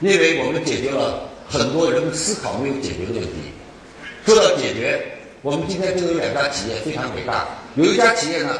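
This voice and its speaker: A man's high-pitched voice, fairly quick and lively in intonation, with audible room echo and noticeable background noise. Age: 50s. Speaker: trainer and education entrepreneur. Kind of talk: speech to an audience.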